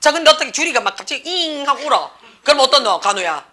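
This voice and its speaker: A woman's voice: sits high, very animated, racing, bright, forceful tone. A woman in her forties with a Gyeongsang Korean accent, teaching an English class in a chatty, teasing way and checking in with the students constantly. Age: 40s. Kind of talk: classroom lecture.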